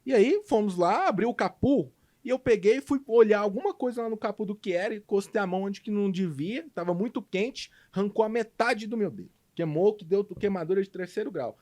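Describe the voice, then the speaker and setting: A man with a Brazilian Portuguese accent, a guest in a podcast interview, telling a personal story with animated, emphatic delivery. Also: high voice, fairly quick, hardly any pauses. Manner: animated, emphatic retelling with lively swings in loudness. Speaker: guest entrepreneur.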